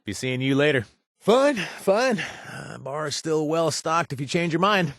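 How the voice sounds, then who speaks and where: A laid-back joking bartender. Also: male voice, on the high side, animated, measured pace, fairly bright tone, no room sound, clean studio sound. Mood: friendly. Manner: laid-back, chatty, lots of uh and chuckles. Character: easygoing male bartender ally, joking and money-minded. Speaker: game companion character. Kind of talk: video game voice acting. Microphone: close studio mic, dry.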